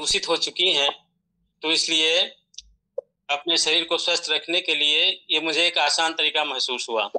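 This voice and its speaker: Bright and sharp in tone, a man speaks at a fairly high pitch with fairly even intonation. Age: 60s. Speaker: product user giving testimonial. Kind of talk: testimony. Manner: formal.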